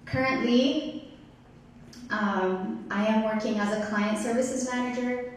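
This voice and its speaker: A woman from Ethiopia in her thirties giving a prepared community talk as guest speaker, slow and deliberate. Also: mid-range voice, darkish tone. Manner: slow, deliberate, measured delivery. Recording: echoey hall, distant mic, faint noise.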